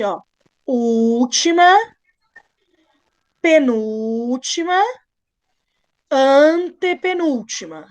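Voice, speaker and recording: Young woman, high voice, playful and patient teacher spelling things out slowly for kids. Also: fairly bright tone. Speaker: primary school teacher. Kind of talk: live online class lesson.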